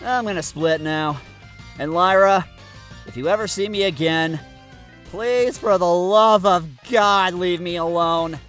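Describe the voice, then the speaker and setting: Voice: medium pitch, unhurried, fairly bright tone, faint music behind, lightly acted. An actor voicing a surly, brooding, exasperated boy rival in a fan parody cartoon, sullen and snappish. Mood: sullen, guarded.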